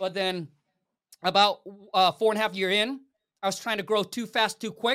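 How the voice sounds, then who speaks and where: His voice is high for a man, with a bright, sharp tone and ordinary pitch variation. He keeps a moderate pace with long, frequent pauses. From Vietnam. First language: Vietnamese. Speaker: real estate wholesaler. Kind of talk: interview. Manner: animated.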